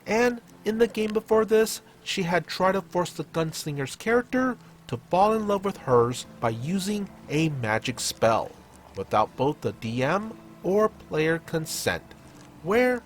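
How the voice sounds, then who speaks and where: A man's voice: high voice, sing-song, unhurried, slight background noise. A man hosting a story-reading show, narrating scripted gaming tales in a theatrical, emphatic storytelling manner. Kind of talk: dramatic scripted narration of online tabletop gaming stories.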